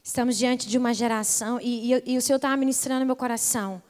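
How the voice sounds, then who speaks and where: A young woman pastor preaches with fervor, her high voice building through repeated calls. Her voice carries a long reverb from a church hall. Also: fairly even intonation, fast talker. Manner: impassioned preaching, rising to loud repeated calls. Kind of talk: sermon.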